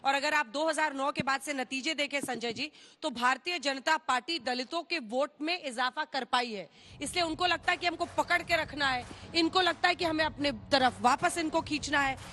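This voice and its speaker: A woman anchoring a televised political debate, briskly cutting in to steer the speakers. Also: sits high, bright, forceful tone. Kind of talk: moderating a TV debate.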